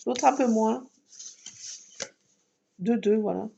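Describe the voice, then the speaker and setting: A woman's voice: a little high, slow pace, gravelly, dark tone, highs cut off, slight background noise. A woman chatting casually to viewers while doing scrapbook crafts, talking to herself as she works. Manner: chatty, talks to herself while working, fillers like voilà. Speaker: scrapbooking vlogger.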